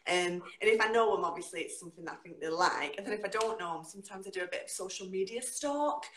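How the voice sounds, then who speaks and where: Animated Northern English woman, echoey room. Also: fast, a little hiss or hum. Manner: lively, dramatic delivery with sudden jumps in pitch. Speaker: guest poet. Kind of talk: spoken word performance and casual chat. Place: home room, indoors. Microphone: video call. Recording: echoey room on a video call.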